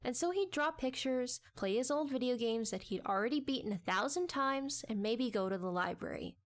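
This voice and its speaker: A woman's voice: a little high, expressive, moderate pace. A woman reading scripted story narration in a dramatic audiobook style.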